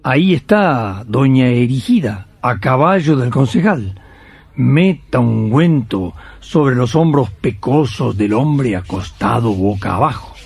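A man narrating a devotional radio drama in a measured way. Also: mid-range voice, expressive, gravelly, a little mellow, husky.

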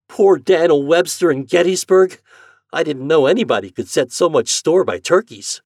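A man voicing an eager, excitable farm boy with rustic, folksy speech in a storybook reading. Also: a little high, normal speed, dry recording, studio quality, voice pushed up. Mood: excited, worried.

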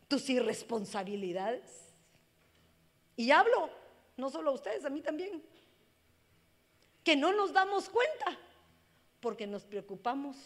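Brief: high-pitched woman pastor, fervent sermon, lingering church-hall reverb. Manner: impassioned, swings from loud cries to hushed speech.

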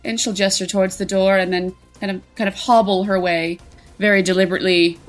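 A woman's voice: mid-range voice, flat delivery, a little fast, soft background music. A woman narrating her character's actions casually as a player in a tabletop game.

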